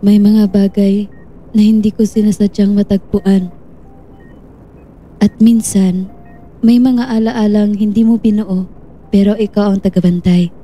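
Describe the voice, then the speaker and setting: A very warm, dark voice at a middle pitch, belonging to a gentle woman weighed down by guilt as a woman acts her in an audio drama. She speaks in measured, confessional phrases and leaves pauses between them. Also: fairly even intonation, lightly acted. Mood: tender, confessional. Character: gentle, guilt-ridden woman confronting a man with memory loss. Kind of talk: Filipino audio drama acting.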